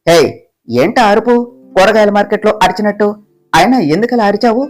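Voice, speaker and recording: A man's voice: high-pitched, brisk, faint music behind, lightly acted. A woman voicing a stern, short-tempered young male boss who talks in curt, scolding lines. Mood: irritated.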